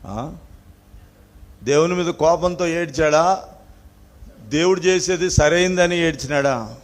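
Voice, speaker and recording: Fervent Telugu preacher, loud then hushed. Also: male voice, slow pace. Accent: Telangana Telugu. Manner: swings between loud emphatic peaks and low quiet asides; asks the congregation questions. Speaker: pastor. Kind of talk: sermon.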